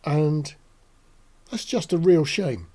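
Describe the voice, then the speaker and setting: A man in his sixties hosting a casual explanatory talk in a measured, reflective, matter-of-fact way. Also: fairly high pitch, lively intonation, dark tone. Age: 60s. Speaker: host. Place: small indoor studio.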